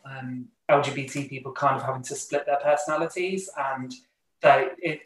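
A man hosting a podcast interview, chatting casually and relaxed, laughing now and then. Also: mid-range voice, echoey room, poor audio. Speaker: podcast host.

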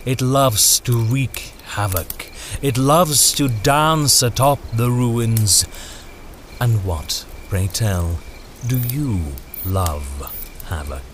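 An actor playing a sinister, poetic gentleman stranger in a dark audio drama, speaking with formal, measured menace. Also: medium pitch, slight background noise. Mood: ominous charm. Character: sinister, courtly, poetic stranger in fine clothes.

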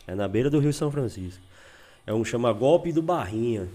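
Animated Brazilian man telling a road story. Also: medium pitch, a little fast. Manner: lively slangy storyteller, acts out quotes. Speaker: guest. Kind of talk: casual storytelling chat.

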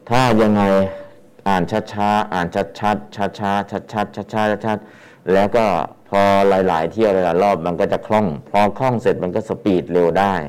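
A man with a low, smooth and clear voice teaches the chanting of Pali scripture. He talks his students through the rhythm, repeating short phrases again and again, and breaks into chanted verse to show them how it goes. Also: a little mellow.

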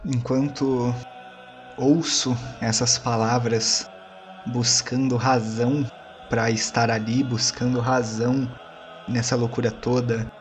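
A man narrates his role-play character in the first person. He is reflective and slow, at a medium pitch, pausing between short phrases over soft music. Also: little pitch movement. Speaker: tabletop role-play player.

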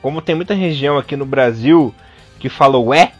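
A man from southern Brazil with a southern Brazilian Portuguese accent, co-hosting a podcast in a casual, patient way, repeating names slowly and now and then slipping into crude jokes. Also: mid-range voice, husky. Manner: blunt and crude when joking. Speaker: podcast co-host. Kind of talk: casual podcast chat teaching name pronunciation. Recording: dull lo-fi podcast audio with faint music.

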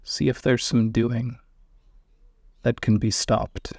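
A man leading a guided meditation, giving gentle instructions with long pauses between phrases. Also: mid-range voice, little pitch movement, vocal fry, no echo, studio quality.

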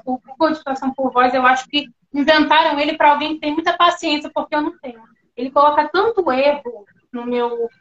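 A woman from Porto Velho talks as the guest of a live-stream interview, chatty, expressive and quick to poke fun at herself. Her voice sits high. The sound is dull and muffled, like a lo-fi line. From Porto Velho, Rondônia, Brazil. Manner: chatty, expressive, self-deprecating. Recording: dull lo-fi audio.

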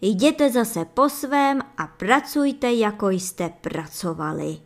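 A woman reading plays a rich lord in a fairy tale. He is stern and judging, and he gives slow, measured pronouncements. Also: mid-range voice, expressive, lightly acted.

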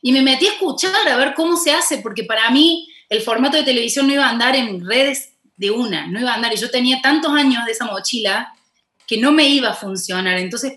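A woman's voice: on the high side, a little fast, bright, forceful tone, roomy sound. A woman with a Córdoba Argentine accent, a former TV host turned content creator, telling her story passionately and emphatically in a casual interview.

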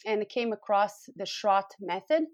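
Woman, Serbian accent, expert interview guest, explanatory talk, mid pitch, close dry recording. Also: moderate pace, no room sound. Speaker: guest expert, scoliosis clinic founder and physiotherapist.

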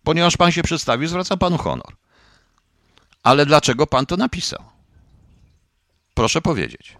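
A man's voice: a little high, big pitch swings, normal speed, fairly bright tone, no room sound. A middle-aged man hosts a live online show, combative and swearing now and then as he presses his chatters with the same question again and again. His voice swings widely up and down, and the sound is close and dry with no room around it. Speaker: online radio host reading a live chat. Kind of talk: casual live broadcast talk answering chat comments.

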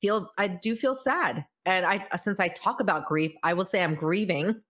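A woman in her forties, a mother of college-age kids, talking in a casual, expressive way as host of a conversation. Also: mid-range voice, moderate pace.

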